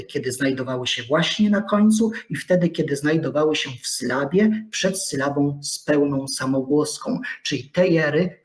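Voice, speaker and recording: Measured male lecturer, slightly high voice. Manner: measured, deliberate, with hesitant fillers. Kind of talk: academic lecture.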